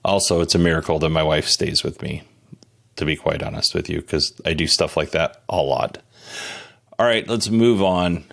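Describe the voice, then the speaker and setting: A man's voice: rumbling low, normal speed, vocal fry, fairly bright tone. A man hosting a podcast, giving casual, conversational news commentary in a candid, self-deprecating way. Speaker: podcast host.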